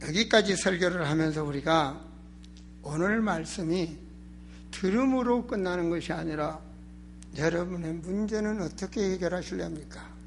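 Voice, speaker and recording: A man's voice: sits high, moderate pace, vocal fry, a little hiss or hum. A man preaching a sermon as a pastor, emphatic and exhorting, with rhetorical questions and a strained, sore throat. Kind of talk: sermon in Korean church.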